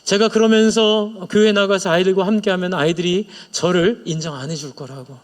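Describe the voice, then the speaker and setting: A man's voice: high voice, steady tone, a little fast, big-room sound. A male pastor preaching a sermon in a church, earnestly sharing personal confessions and leading the congregation in prayer. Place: church sanctuary.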